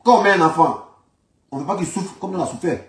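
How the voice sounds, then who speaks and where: Fast, high-pitched, and lively in intonation, this Ivorian man offers casual political commentary in an Ivorian French accent, pressing his points and emphatically repeating himself. He sounds far from the mic in an echoey room.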